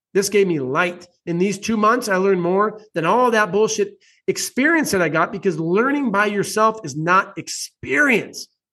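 Speaking in a raised, projected voice with a bright, sharp tone, a man talks at high pitch and a moderate pace with hardly any pauses, his intonation lively and his tone animated. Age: 40s. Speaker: podcast host and personal trainer educator. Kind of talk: casual interview chat.

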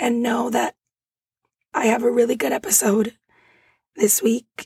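A woman whispers with a raspy, husky, rough edge. Vocal fry runs through her voice.

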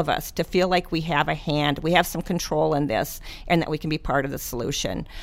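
This woman talks very fast in a fairly low voice. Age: 50s. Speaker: breast cancer survivor and mentor. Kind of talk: interview.

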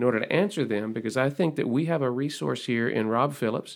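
A man talks at a very fast pace with an American accent and medium pitch. The recording is very clean, with a silent background. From US South, southern Arkansas. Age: middle-aged. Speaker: podcast host. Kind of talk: casual interview.

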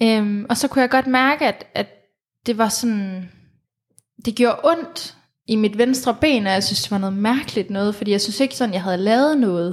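A woman talks at a moderate pace in a fairly high pitch with ordinary pitch variation. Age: 20s. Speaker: cancer survivor. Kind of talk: personal testimony interview. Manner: hesitant, many filler sounds.

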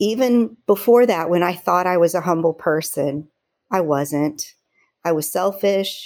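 A woman with a Kentucky accent and a fairly low pitch at a fairly slow pace. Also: ordinary pitch variation. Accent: Kentucky Southern American. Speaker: bereaved mother and nurse. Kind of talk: personal testimony interview.

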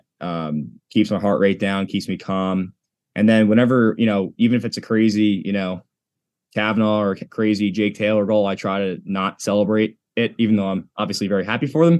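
Against a quiet background, a man with an unremarkable speaking voice talks at a fairly quick pace and a fairly low pitch, with ordinary pitch variation. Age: 20s. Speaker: college lacrosse goalie. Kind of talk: casual interview.

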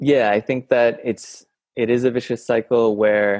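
A man speaks at a fairly slow pace with an American accent. His intonation is fairly even, and the background is quiet. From Iowa, US Midwest. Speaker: former immigrants' rights lawyer, translator. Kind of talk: interview.

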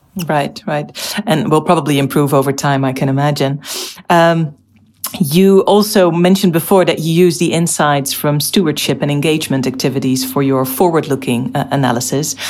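At a moderate pace, a woman speaks in a very deep, low voice with ordinary pitch variation over noticeable background noise. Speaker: podcast interviewer. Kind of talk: interview.

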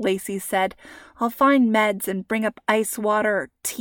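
The voice is a natural reading voice with fairly even intonation. A quiet background sits behind it.

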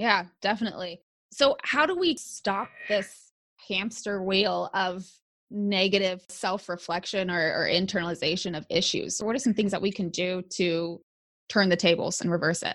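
A woman's plain, everyday voice, medium in pitch with ordinary pitch variation. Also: moderate pace. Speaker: podcast host. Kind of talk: interview, scripted intro. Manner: formal, upbeat.

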